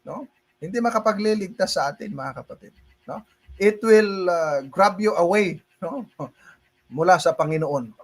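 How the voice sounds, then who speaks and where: A high-pitched male preacher with a Filipino accent delivers a casual livestream sermon. He slides between Tagalog and English, laughing easily and warmly addressing his listeners as brothers and sisters. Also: lively intonation, a little slow. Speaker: pastor.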